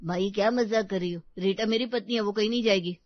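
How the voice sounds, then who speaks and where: A woman's voice: mid-range voice, quick pace, dry recording, close to an everyday voice. A woman voicing an exasperated young husband in a cartoon story, who protests in disbelief. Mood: protesting. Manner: protesting, incredulous. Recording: dull dry studio audio.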